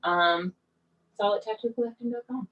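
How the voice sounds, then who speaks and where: A woman's voice: medium pitch, fairly quick, fairly bright tone, far from the mic, muffled recording. A woman co-hosting a podcast in casual chat, talking loosely with lots of "like". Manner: chatty, uses "like" a lot. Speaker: podcast co-host.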